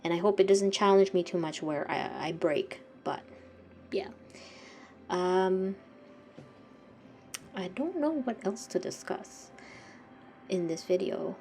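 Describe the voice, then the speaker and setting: A woman's voice: mid-range voice, slow pace, gravelly, pauses often. A young woman vlogging casually while she paints, congested and sniffly, rambling and often correcting herself. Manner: rambling, self-correcting, soft-spoken. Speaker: art vlogger. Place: home art studio.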